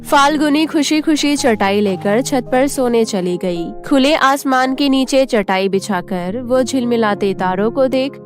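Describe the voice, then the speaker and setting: A woman's voice: fairly high pitch, measured pace, few pauses. A woman storyteller reading a scripted children's tale as narration. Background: faint music.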